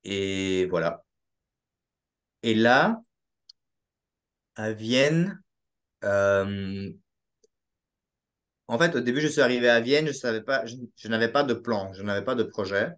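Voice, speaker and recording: A young Belgian man speaking with a Belgian French accent is guesting on a podcast through a casual video call, his speech halting and peppered with fillers and restarts. A laptop webcam mic captures him in a small room at home. He sounds fairly low-pitched and animated.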